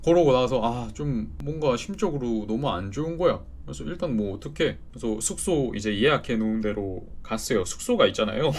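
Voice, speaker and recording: A young man from South Korea casually telling his viewers a story, animated, with frequent laughter. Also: medium pitch, brisk, hardly any pauses. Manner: animated, with frequent laughter and sudden loud outbursts.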